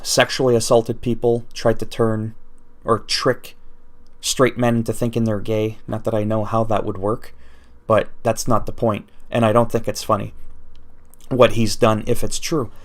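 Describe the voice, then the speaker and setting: A man's voice: on the low side, little pitch movement, moderate pace. A man whose first language is French, ranting off the cuff in an unscripted vlog commentary and thinking aloud as he goes. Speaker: YouTuber.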